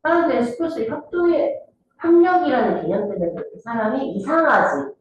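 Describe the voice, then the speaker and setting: A woman's voice: a little high, animated, fairly quick, dull audio. A woman teaching an exam-prep English grammar lesson, often checking in with her students. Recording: very echoey room with faint noise.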